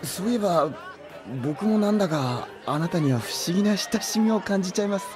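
A man's voice: sits high, expressive, brisk, over music, crowd noise. A man playing a meek, friendly young research assistant in an anime audio drama, flustered, stammering and apologetic. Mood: shyly friendly.

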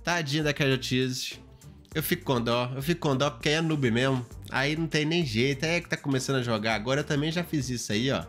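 A man, a gaming YouTuber, reacting to game clips in an excitable, exclamatory way, swinging from jumpy high shouts to low mutters. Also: a little fast, faint music behind.

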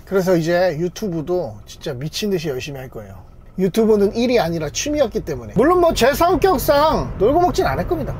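This man's high-pitched voice swings widely in pitch and moves briskly, with a darkish tone and slight background noise. He's a YouTuber and car collector in his thirties, speaking casually and confidently to his vlog camera, mostly from inside a car, occasionally outside.

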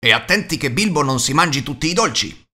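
A man's voice: a little high, lively intonation, brisk, pushed and bright. A man voicing merry, teasing elves in a storybook, calling out playfully.

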